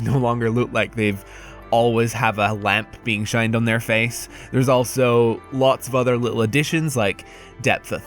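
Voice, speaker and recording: A man's voice: mid-range voice, a bit bright. A man narrating a scripted video game review in a conversational, candid and wry manner.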